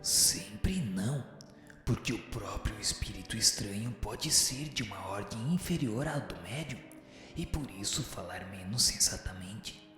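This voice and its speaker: A wise male spirit played by a man speaks in a low, solemn register, drenched in echo. He instructs patiently and formally, as in a radio play, with music playing underneath. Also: animated. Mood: patient, instructive. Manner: didactic, formal, measured. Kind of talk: scripted radio drama reading of a spiritual text. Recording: very echoey hall-like reverb with music behind.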